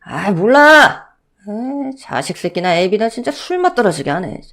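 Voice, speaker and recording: A woman voicing a drunken, violent middle-aged father who shouts and bullies in a Korean audio story. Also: mid-range voice, normal speed, lightly acted. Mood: angry. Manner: loud, bullying, shouting.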